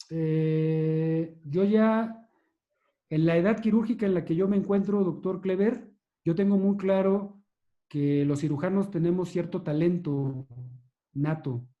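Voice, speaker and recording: A man, a neurosurgeon giving a measured, explanatory lecture and answering questions, with hesitations and restarts. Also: on the high side, mellow, lo-fi sound.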